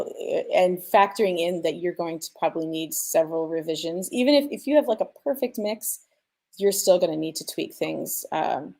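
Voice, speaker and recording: A woman's voice: on the low side, vocal fry, darkish tone. A woman speaking as a sound designer in a casual discussion, easygoing and agreeable.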